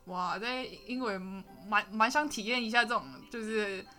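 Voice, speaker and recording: A woman's voice: fairly high pitch, normal speed, bright, forceful tone, faint music behind. A young woman with a Taiwanese Mandarin accent hosting a casual interview, chatty and giggly with hesitant restarts. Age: young adult. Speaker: podcast host.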